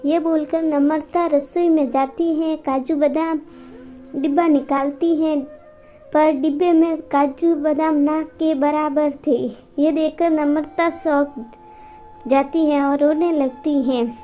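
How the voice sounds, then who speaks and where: Slow, high-voiced woman storyteller. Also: soft background music. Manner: calm, unhurried reading. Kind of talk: scripted story narration.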